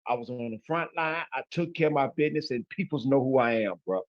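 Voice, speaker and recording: A man's voice: medium pitch, fast talker, no echo, highs cut off. A man from Chicago with a Chicago accent, a guest in an interview who talks bluntly and emphatically in street slang. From Chicago, USA. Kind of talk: casual interview talk.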